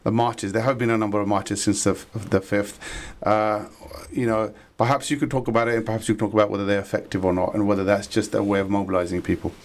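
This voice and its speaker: A man with a fairly low voice hosts live talk radio. He speaks informally, in loose, rambling phrases, steering guests and addressing listeners. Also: little pitch movement, fast. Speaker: radio host.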